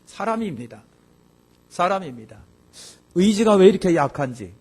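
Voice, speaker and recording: Korean pastor preaching with loud outbursts. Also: male voice, big pitch swings, moderate pace, husky. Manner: swings between loud exclamations and quiet asides; acts out quoted speech in a lower voice. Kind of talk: sermon.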